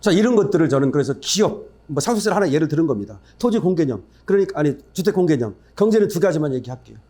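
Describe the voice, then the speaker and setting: A man delivers a political speech at a forum in a high voice that leaps up and down with feeling. He talks bluntly, tosses in scornful asides, and keeps throwing rhetorical questions at the listeners. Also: very animated, very fast, mellow. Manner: emphatic, rhetorical questions to the audience. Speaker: forum speaker.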